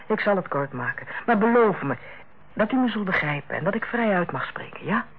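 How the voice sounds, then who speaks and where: An actress in a Dutch radio play as a female hospital director, authoritative yet kindly, speaking in a measured, formal and persuasive way. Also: medium pitch, sing-song, husky. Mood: earnest, careful. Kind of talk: Dutch radio drama acting. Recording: muffled, band-limited old radio recording.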